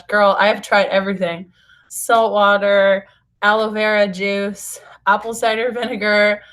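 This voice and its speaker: A nutrition author hosts a casual livestream from a hotel room, talking informally and directly to viewers. Her mid-range, fairly bright voice is raspy and slightly hoarse as she recovers from losing it.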